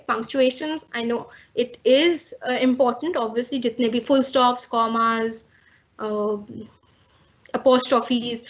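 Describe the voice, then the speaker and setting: A woman's voice: fairly high pitch, a bit bright. A young woman teaching English grammar in a mix of Hindi and English, explaining patiently and checking in often with her students. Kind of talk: online class lesson, mixing Hindi and English. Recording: slightly dull lo-fi audio.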